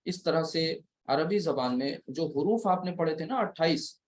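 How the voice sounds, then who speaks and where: A man teaching Arabic grammar in a slow, deliberate lecture, counting letters one by one as he writes them on a board, with a South Asian Urdu-Hindi accent. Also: fairly high pitch, a little hiss or hum, rough recording. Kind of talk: recorded lecture at a writing board.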